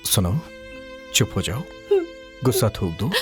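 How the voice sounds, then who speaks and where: Exasperated husband caught in the middle. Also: male voice, fairly high pitch, big pitch swings, unhurried. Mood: soothing. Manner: pleading and fed up. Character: exasperated young husband caught between wife and mother. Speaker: son and husband. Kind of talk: comic film acting. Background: background music.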